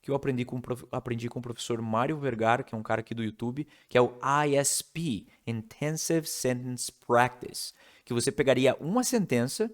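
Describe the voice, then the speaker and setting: A man from Brazil gives a casual video lesson on how to learn English. He explains it step by step and keeps checking in with the listener. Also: mid-range voice. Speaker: English teacher.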